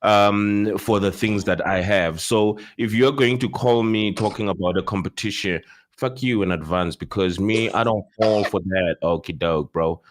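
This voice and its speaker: Casting: low-voiced south african podcast host, rambling and filler-heavy, bursts into excited shouts. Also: male voice, normal speed, dry recording. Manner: rambling with many fillers and restarts; loud bursts of laughing excitement. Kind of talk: casual podcast chat.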